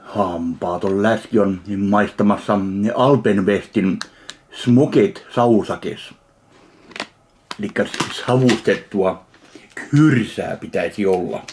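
A middle-aged man talks casually to the camera as he tastes food in his kitchen. His voice sits fairly low and is thick with vocal fry. Clear background noise runs under the recording. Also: a little mellow. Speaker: food review vlogger. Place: small home kitchen, indoors. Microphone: camera a short distance away.

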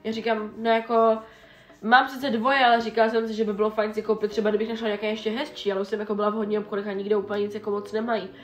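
A young woman vlogger chatting in an animated, exasperated way while doing her makeup. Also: medium pitch. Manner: animated, exasperated retelling with quoted dialogue. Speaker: beauty vlogger. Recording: echoey room with faint background music.

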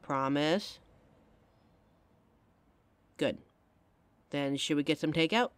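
A woman's voice: low-pitched, slow, clear, resonant tone, dry recording. A woman playing a caring young adult girlfriend in an audio roleplay, talking intimately and emotionally straight to the listener on a close mic. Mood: tender, reassuring.

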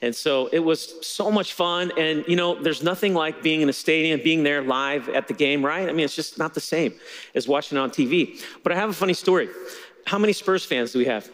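A middle-aged man preaching a sermon from a church stage on a headset mic, telling stories in a relaxed conversational way. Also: a little high, a little fast, long reverb tail, poor audio. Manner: conversational storytelling with laughter. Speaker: pastor.

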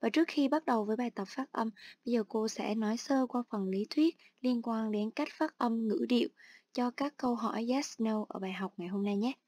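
A woman teacher calmly explaining an online English exercise step by step. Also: on the high side, a little fast, dry recording. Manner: steady instructional, explains each step. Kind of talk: online lesson narration.

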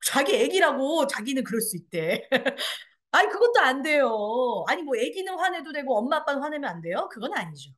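Lively high-voiced woman lecturer. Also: normal speed. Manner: animated, acts out dialogue in exaggerated voices; asks the audience questions and answers them. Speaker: parenting education lecturer. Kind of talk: lecture to parents and children.

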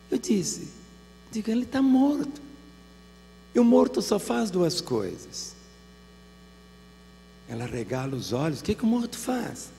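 A man's voice: a little high, vocal fry, dark tone, in a large hall. A Brazilian man preaching a sermon as pastor, telling vivid pastoral anecdotes. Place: large church hall.

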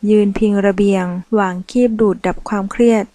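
A woman narrating a romance novel as an audiobook, reading in a slow, measured way. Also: medium pitch, fairly even intonation, warm tone, no room sound, rough recording.

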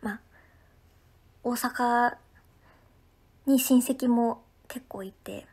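Reading out viewer comments on her livestream, this high-pitched woman from Ehime, Japan, speaks with a local Ehime Japanese lilt and a fairly even intonation. She talks very slowly in a friendly, chatty way, frequently slipping into soft, breathy half-whispers.

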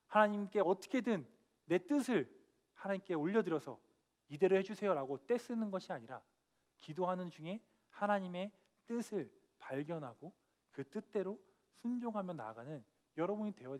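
A young man preaching an earnest, emphatic sermon in a church, dropping soft and then rising on key points. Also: high-pitched, expressive, a little fast. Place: church sanctuary.

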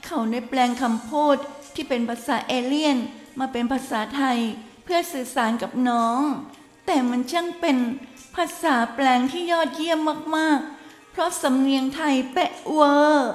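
A woman with an Isan accent giving earnest, cautionary commentary as a news commentator. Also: sits high. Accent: Isan Thai. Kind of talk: moralizing commentary. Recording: echoey room with long reverb and faint music.

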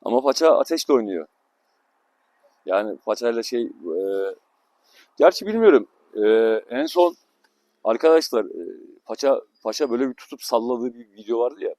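A man's voice: medium pitch, wildly swooping pitch, moderate pace, vocal fry, warm tone, no echo. A man talking teasingly and affectionately to his dog, then signing off to his viewers. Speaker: vlogger. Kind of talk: casual talk to dog and video sign-off.

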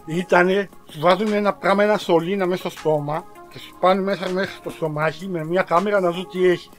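High-voiced man telling a dramatic story. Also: soft background music. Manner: animated, dramatic storyteller with exaggerated outbursts; addresses viewers directly, slangy and self-mocking. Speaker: vlogger. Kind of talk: casual vlog storytelling.

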